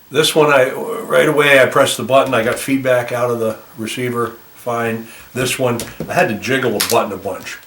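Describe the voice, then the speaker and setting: A man talking through a hands-on repair casually, thinking aloud in a careful, halting way as he works. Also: medium pitch. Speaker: volunteer repairer demonstrating a fix. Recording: roomy, distant mic, faint noise.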